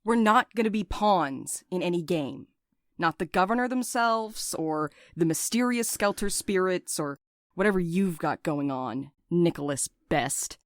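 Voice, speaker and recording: A woman's voice: fairly low pitch, a little slow, dry recording, clean studio sound, natural voice. Blunt, sarcastic rebel courier played by a woman. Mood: defiant. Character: angry, sarcastic, foul-mouthed courier rebel. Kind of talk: audio fiction acting.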